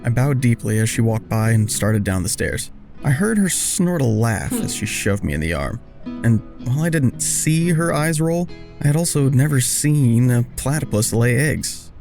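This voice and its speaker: An actor playing a wry, awkward man who narrates his own story in an audio drama with self-deprecating, deadpan, wordy humor. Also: medium pitch, vocal fry, lightly acted. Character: wry, awkward smoker man narrating a reunion with old friend. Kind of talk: first-person scripted narration and dialogue in audio drama.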